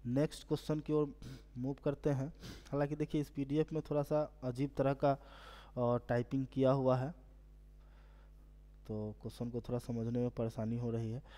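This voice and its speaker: A male teacher walking students through exam questions, reading each English question slowly and then explaining it. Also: mid-range voice, flat delivery, warm tone, long reverb tail. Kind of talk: exam prep lesson.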